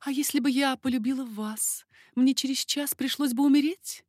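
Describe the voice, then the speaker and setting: Brief: a woman playing a coy young baroness, high and breathy, lilting and teasing. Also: steady tone, moderate pace, no echo, studio quality. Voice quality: breathy, airy whispers. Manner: coquettish, lilting.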